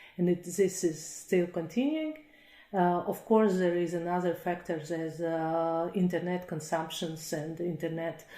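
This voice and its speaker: At a fairly slow pace, a woman with a Russian accent speaks in a monotone with flat intonation and a fairly low pitch. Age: middle-aged. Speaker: radio editor-in-chief. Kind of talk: interview.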